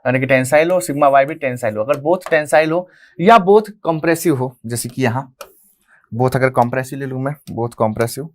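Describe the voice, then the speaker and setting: An engineering lecturer with an Indian accent teaches at a whiteboard in a mid-range, brisk voice. He blends English technical terms into his speech, repeats key phrases, and poses questions to the class that he answers himself.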